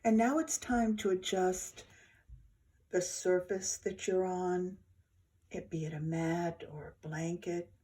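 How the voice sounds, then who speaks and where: A woman teaching yoga nidra, giving soft, soothing guided meditation instructions in short phrases with pauses. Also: fairly low pitch, fairly even intonation.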